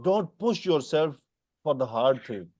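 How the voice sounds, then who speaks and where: A man's voice: fairly high pitch, animated, unhurried, mellow, highs cut off. A man whose first language is Urdu, with a South Asian accent, teaching Quran grammar in an online class and patiently correcting students. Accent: South Asian English. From Pakistan or India. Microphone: video call.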